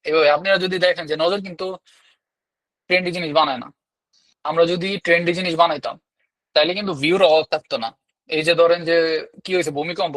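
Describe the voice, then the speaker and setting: A man's voice: fairly high pitch, a bit bright, no echo. A man teaching a live online class, blunt and demanding, often checking that listeners follow. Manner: blunt, demanding, repeats "ঠিক আছে?". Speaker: YouTube course instructor.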